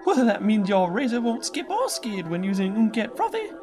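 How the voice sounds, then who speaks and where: An actress playing a folksy, gushing presenter in an old-time radio comedy ad. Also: female voice, very animated, moderate pace. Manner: folksy, gushing pitch talk. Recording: music bed under voice.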